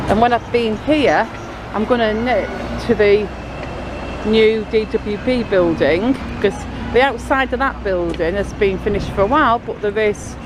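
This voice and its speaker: Chatty, sniffly woman narrating a site walk on a handheld camera, loud traffic noise behind. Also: medium pitch. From Blackpool, England. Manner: chatty, rambling, friendly asides to viewers. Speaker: local vlogger. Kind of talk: casual walking commentary. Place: outdoors by a building site and tram stop. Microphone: handheld camera filming as she walks. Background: passing cars and trams.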